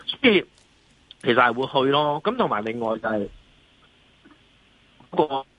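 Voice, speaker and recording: Husky Hong Kong man, dull call line. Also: medium pitch, sing-song, moderate pace, dry recording. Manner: emphatic, repeatedly seeks agreement with rhetorical questions. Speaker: financial analyst and columnist, guest. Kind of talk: off-the-cuff market commentary in an interview.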